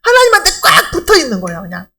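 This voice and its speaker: A woman's voice: very high-pitched, wildly swooping pitch, rapid-fire, bright, forceful tone. A middle-aged woman pastor preaching a sermon in an emphatic, conversational way, asking rhetorical questions.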